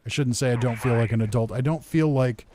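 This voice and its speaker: A man around forty talks casually to his live-stream audience in a medium-pitched voice. He is good-humoured and conversational, moving between reading viewer comments and remarking on his game. Faint game sounds sit behind him. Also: brisk. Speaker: game livestreamer. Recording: game noise and gunfire behind voice. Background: video game sounds, gunfire.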